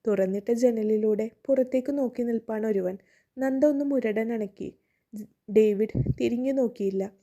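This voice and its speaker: A woman narrating a romance novel as a storyteller, reading in a calm, steady way. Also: a little high, moderate pace.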